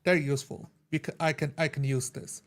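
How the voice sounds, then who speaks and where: Man, tabletop gamer, somewhat high-pitched, halting conversational delivery among a group. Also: fairly even intonation. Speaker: tabletop game player. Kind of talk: casual group chat.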